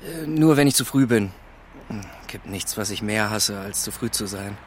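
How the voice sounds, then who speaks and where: A man's voice: lowish voice, expressive, normal speed, slight background noise, natural voice. An actor playing a charming young man, awkward and self-deprecating, chuckling as he rambles. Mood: bashful. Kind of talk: radio drama acting.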